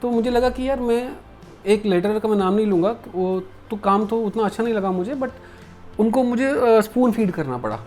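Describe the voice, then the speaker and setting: A man's voice: high-pitched, lively intonation, moderate pace, a little mellow, soft background music. A man being interviewed as a comics publisher and letterer, speaking candidly and reflectively and mixing English phrases into his speech. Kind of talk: casual interview conversation.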